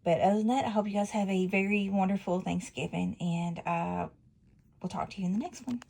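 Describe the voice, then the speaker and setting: A middle-aged woman hosting a casual jewelry-making tutorial, chatty and quick to correct herself. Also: medium pitch, steady tone, gravelly, a little mellow. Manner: chatty, self-correcting, laughs at her slips. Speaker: jewelry-making channel host.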